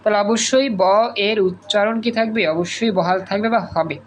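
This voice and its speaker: A man's voice: sits high, a little fast. Man, Bangladeshi Bengali accent, online tutor, video call mic, repeats words for drilling, faint background noise. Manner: calls on students by name. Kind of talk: online class lecture.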